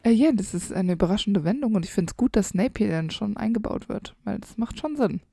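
A woman's voice: mid-range voice, expressive, a little fast, creaky, dark tone, no room sound. Easygoing woman podcast co-host. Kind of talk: casual chat and reading aloud.

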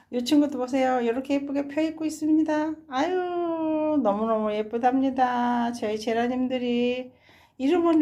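With a fairly high pitch and a dark tone, a woman hosts a gardening vlog, strolling through her balcony garden. She talks affectionately about her plants in a casual walkthrough, often letting out sighing exclamations.

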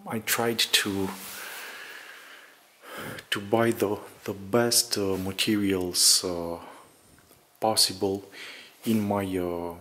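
Slow, halting man narrating casually. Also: sits low, steady tone, sharp tone. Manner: hesitant, halting, searching for words. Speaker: vlogger showing an apartment renovation. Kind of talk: unscripted casual video narration. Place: indoors in an empty apartment under renovation.

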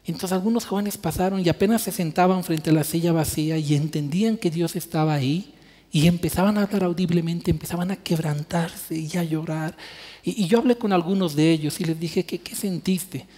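A man's voice: fairly high pitch, brisk, warm tone. A man preaching a sermon as pastor, earnest, stretching key words for emphasis. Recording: church hall reverb.

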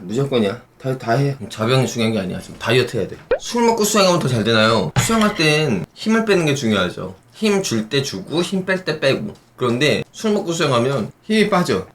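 A man talks on a live stream in a loose, chatty way, and his pitch swings up and down a lot as he reacts. He counts out kicks and swears casually as he goes. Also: a bit bright, slight background noise. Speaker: swimming coach and YouTuber. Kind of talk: casual live-stream chat reading comments.

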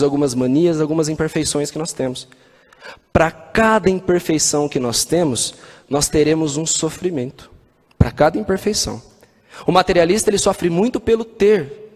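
A man's voice: fairly high pitch, darkish tone. Brazilian man lecturing in a reverberant hall. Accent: Brazilian Portuguese. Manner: storytelling, acts out quoted voices, rhetorical questions. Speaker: spiritist lecturer. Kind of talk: spiritist talk.

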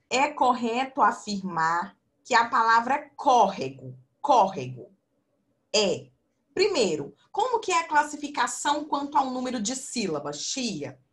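A woman teacher walks young children through a quiz on a video call, with a slightly high voice that rises and falls in a lively sing-song. She talks slowly and patiently, stretching words as she explains. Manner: slow, sing-song teacher talk to children, calls herself auntie. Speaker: primary school teacher. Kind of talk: online class for young children. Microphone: computer mic on video call.

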